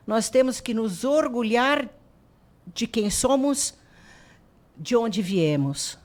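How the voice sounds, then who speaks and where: A woman, president of an artisan association, telling animated stories in a radio interview and acting out quoted dialogue. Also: a little high. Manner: animated storyteller who acts out quoted dialogue.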